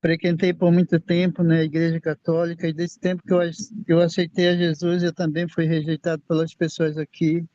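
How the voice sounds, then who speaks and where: A man in his sixties from Brazil, telling his own faith testimony in a halting way, often repeating and restarting his words. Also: a little high, completely flat delivery, warm tone, dry recording. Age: 60s. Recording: dull lo-fi sound.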